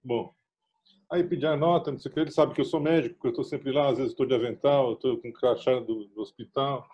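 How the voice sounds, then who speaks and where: A physician with a São Paulo accent explaining hearing loss and telling a story, acting out the dialogue. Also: male voice, medium pitch, fairly even intonation, fast talker, dark tone, muffled recording. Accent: São Paulo Brazilian Portuguese. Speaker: physician guest. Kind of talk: explanatory casual chat.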